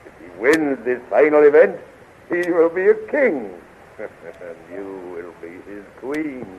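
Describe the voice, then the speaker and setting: A man's voice: mid-range voice, very animated, slow. A man playing a blunt, hearty warrior king, declaiming emphatically in a 1930s radio serial. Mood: reassuring. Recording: tinny, noisy 1930s radio recording.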